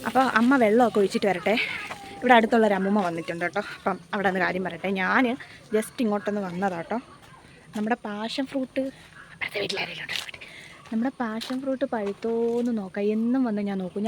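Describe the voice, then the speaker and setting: A young woman from Kerala, talking to camera in a casual vlog, musing and confiding as she walks around her home garden. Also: medium pitch. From Kerala, India. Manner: soft-spoken, musing and confiding. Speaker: vlogger.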